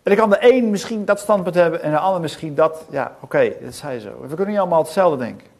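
In a church hall, a middle-aged man preaches a sermon earnestly, asking frequent rhetorical questions and pausing between phrases. His voice is a little high and gravelly, with lively intonation.

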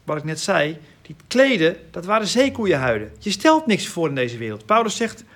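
Man, Bible study teacher, emphatic and explanatory, gravelly voice pitched on the high side. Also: very animated, moderate pace, fairly bright tone. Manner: emphatic, reads and explains scripture at length.

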